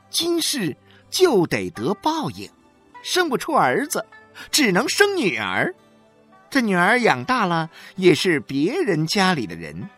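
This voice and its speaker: A woman's voice: fairly bright tone, husky, exaggerated voice. A woman voicing a furious, boastful wife who shrilly scolds the neighbours in a storybook. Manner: shrill, scolding, drawn-out emphasis.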